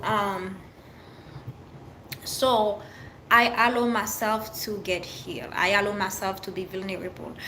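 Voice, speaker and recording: A woman's voice: mid-range voice, sharp tone, slight background noise, rough recording. A middle-aged woman from Haiti with a French accent, chatting openly and earnestly on a livestream, answering viewers in short, restarting phrases. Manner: open, earnest, speaks in short fragments with restarts. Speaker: livestream host.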